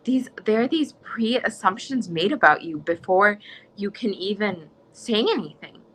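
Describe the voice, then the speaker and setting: Here the same young student from the US talks in an unhurried, expressive way, her medium-pitched voice a bit bright. She is earnest and impassioned in this conversational interview, frequently starting sentences over, and the poor recording carries a little hiss or hum.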